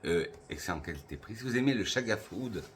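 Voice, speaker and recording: A man from France reviewing perfumes for his channel in a casual, enthusiastic way, slowly listing notes with pauses. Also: on the low side, animated, fairly bright tone, a little hiss or hum. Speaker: perfume youtuber.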